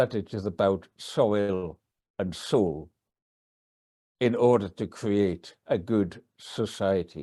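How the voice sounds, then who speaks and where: Very slowly, a man with a Hebridean accent speaks at a fairly low pitch. His tone is dark and mellow, with ordinary pitch variation. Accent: Scottish Hebridean. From Scotland, Outer Hebrides. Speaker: professor and author. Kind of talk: webinar talk.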